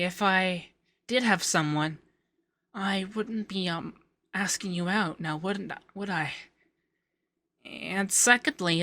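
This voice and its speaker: Bright, flustered young femboy tax man, acted by a man. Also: high voice, heavily acted. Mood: shy, hesitant. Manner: stammering, shy, teasing. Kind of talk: ASMR roleplay, acted straight to the listener.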